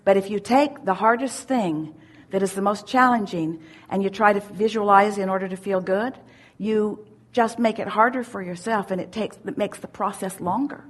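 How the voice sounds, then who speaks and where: A woman giving a spiritual teaching at a seminar, speaking as "we" in an emphatic, drawn-out way. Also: mid-range voice. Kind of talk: channeled teaching in first person plural.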